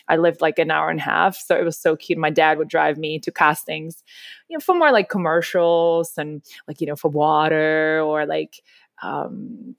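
A woman's voice: low voice, no echo, clean studio sound. A woman, telling her story as a podcast guest in an enthusiastic, rambling way. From Czech Republic. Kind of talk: casual interview chat.

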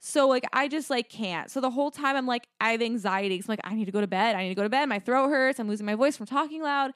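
Young woman podcast cohost, chatty storyteller, smooth voice, dry mic. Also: on the high side, quick pace, no room sound. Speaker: podcast co-host. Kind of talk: casual chat.

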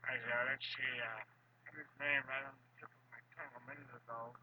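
A man's voice: medium pitch, flat delivery, brisk, sharp tone, a little hiss or hum. A man playing a drunken, sarcastic, belligerent rooming-house manager who slurs, stammers and repeats himself in 1940s radio style. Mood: muddled, placated. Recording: dull vintage radio recording.

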